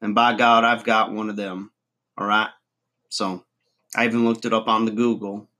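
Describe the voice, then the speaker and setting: A man's voice: lowish voice, flat delivery, normal speed, bright, forceful tone. A man playing a folksy redneck guru. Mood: boastful rambling. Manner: rambling, folksy, chuckling, mangled words. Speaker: comedy channel host. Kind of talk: comic monologue to camera.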